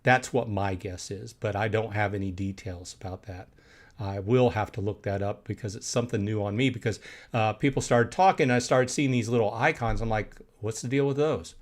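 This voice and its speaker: A middle-aged man hosts a casual live stream, reading chat messages aloud with many fillers and pauses and clearing his throat now and then. His voice is fairly low and steady in tone.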